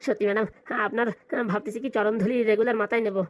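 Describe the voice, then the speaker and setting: A woman voicing a comic, flattering village lackey in a cartoon, deferential and whining in a rural Bengali dialect. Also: mid-range voice, rapid-fire, no echo, natural voice. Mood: fawning.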